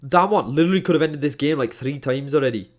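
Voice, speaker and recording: A Welsh esports caster whose accent carries a hint of Scottish reviews a match casually and quickly, his fairly high voice lively in intonation. He sounds exasperated and jokey, dropping slangy asides.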